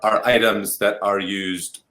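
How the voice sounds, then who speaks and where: A man's voice: lowish voice, level tone, slow pace, sharp tone. A man hosting a game show, calling turns and strikes and explaining his rulings in a game show host's delivery.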